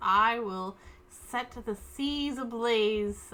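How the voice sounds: Using a put-on, gruff character voice, a woman speaks at a fairly high pitch with fairly even intonation.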